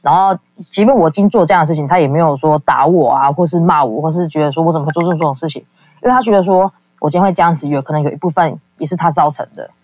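A caller rattles through a personal story at a quick clip. The talk rambles, full of fillers, with quoted people acted out along the way. The sound is dry and close, with no room around it. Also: medium pitch, a little mellow, no room sound. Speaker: call-in guest. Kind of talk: casual confessional storytelling.

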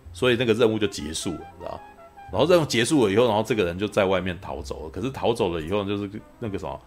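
Man, podcast host, casual rambling chat, quick speech, soft music underneath. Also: sits low. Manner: rambling, constant "you know" tag questions, frequent laughter. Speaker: podcast host reviewing a film.

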